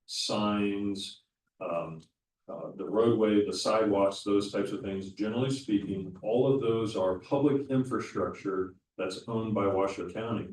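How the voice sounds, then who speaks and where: Man, county official at a public meeting, lowish voice, methodical, off-mic in a reverberant room. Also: measured pace, darkish tone. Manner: explanatory, methodical, with frequent restarts. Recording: echoey room, voice from far off the mic.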